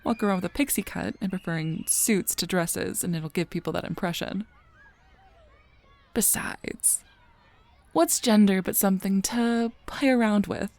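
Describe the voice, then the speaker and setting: A woman playing a motherly, knowing, wry guardian angel in an ASMR audio roleplay, with a breathy, creaky voice and a gentle, poised delivery. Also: mid-range voice, unhurried, lightly acted. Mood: amused, proud.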